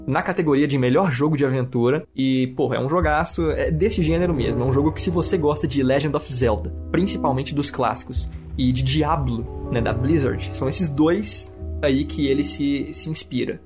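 A man with a Brazilian Portuguese accent hosts a podcast, giving an enthusiastic, slangy, casual review chat with music behind him. His voice sits at medium pitch and moves at normal speed.

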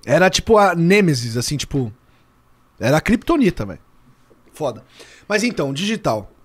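A Brazilian man in his thirties, a sports journalist guest on a podcast, telling stories in a lively, casual way and swearing freely. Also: on the high side, normal speed. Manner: lively storyteller, swears casually, acts out dialogue.

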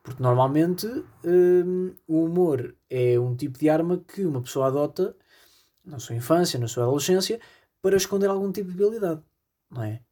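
A man's voice: fairly high pitch, brisk, dark tone. A man with a European Portuguese accent hosting a solo comedy podcast, rambling in a self-deprecating way with constant fillers. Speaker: podcast host.

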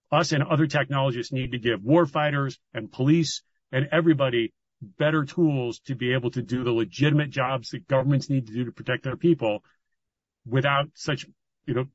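A man's voice: mid-range voice, steady tone, fairly quick, no echo. Earnest man on a dull, dry line. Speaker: company executive. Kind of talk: earnings call remarks, explanatory. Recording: dull, dry conference-call audio.

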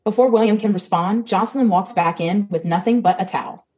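A woman's voice: mid-range voice, a little fast, warm tone, low-quality recording. A woman reading the stage directions of a comedy script, matter-of-fact.

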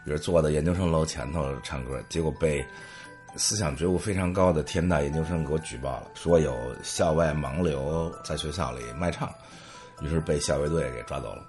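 A man's voice: rumbling low, fairly quick, darkish tone, soft background music. A middle-aged man, hosting and telling humorous anecdotes in a storytelling monologue.

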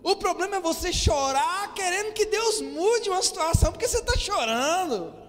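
A man preaches to his congregation in an unusually high voice, sometimes driving his points home with a shout. His words ring out with a long reverb through a church hall, and soft music plays faintly behind him. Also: expressive, moderate pace. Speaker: pastor. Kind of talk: sermon.

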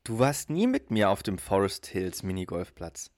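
A man's voice: fairly low pitch, normal speed, dry recording. A man reading as a weary, skeptical wife. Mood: dry. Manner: flat, dry, skeptical. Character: weary, unimpressed wife at dinner. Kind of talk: read-aloud sitcom dialogue.

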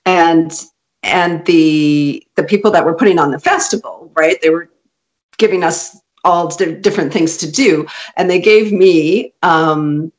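A middle-aged woman author from Canada, a native Hungarian speaker, chatting in an interview and laughing often. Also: on the low side. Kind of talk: casual interview chat.

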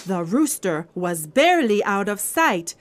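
A woman narrating a scripted audio theatre story with a wry, animated manner. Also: medium pitch, a little slow, over music.

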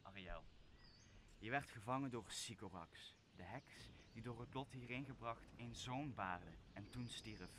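A young man playing a wronged, commanding exiled sorcerer in a Dutch radio play, speaking solemnly and deliberately. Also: medium pitch, bright, forceful tone, a little hiss or hum. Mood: commanding, brooding. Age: young adult. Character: wronged exiled sorcerer master, brooding and commanding, father figure. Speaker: drama student actor.

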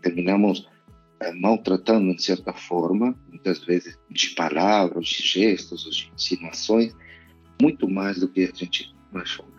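Husky low Argentine man, earnest. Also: a little slow, highs cut off, faint music behind. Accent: Argentine Spanish. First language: Spanish. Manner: reflective, earnest, hesitant with "eh". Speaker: pastor and missionary. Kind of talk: casual podcast interview.

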